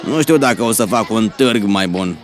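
A man's voice: fairly low pitch, expressive, natural voice. A man voicing a glum villager who talks in a downcast, hesitant way. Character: glum middle-aged man, friendly villager. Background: background music.

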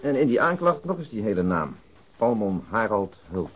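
An actor playing a dryly precise police detective in a radio drama, reporting in a factual manner. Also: male voice, fairly low pitch, sing-song, normal speed, noisy background. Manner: dry, factual. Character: matter-of-fact male detective, dryly precise.

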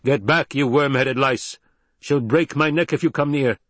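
A man voicing a gruff, commanding male desert tribal leader who roars and hurls insults. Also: medium pitch, lively intonation, moderate pace, no echo, voice pushed up. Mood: roaring. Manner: roaring, blustering, insulting.

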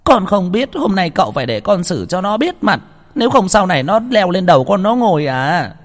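Man doing a high, shrieking spoiled young mistress, vicious and petulant, in a reverby narration. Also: very animated, brisk. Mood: whining. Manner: screeching, cursing, whiny.

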